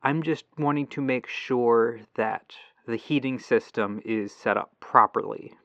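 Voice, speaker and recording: A man acting as a polite, patient tech support agent in a soft-spoken ASMR roleplay, musing aloud over a lo-fi telephone line. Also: medium pitch, dry recording. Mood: reassuring. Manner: unhurried, pausing, courteous, musing aloud. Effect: lo-fi telephone filter.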